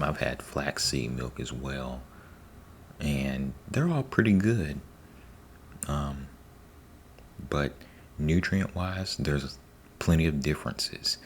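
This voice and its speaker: Man, rock-bottom pitch, soft-spoken, slow, rambling ASMR style, faint background noise. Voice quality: soft, partly whispered delivery. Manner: unhurried, rambling, repeats himself. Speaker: ASMR host.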